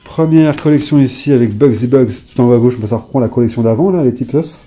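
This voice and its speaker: A man casually chatting to his viewers while flipping through old trading cards, hesitant at times and bursting into sudden excited exclamations. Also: mid-range voice, fast talker, a little hiss or hum. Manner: hesitant, many fillers while reading names. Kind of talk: casual off-the-cuff commentary.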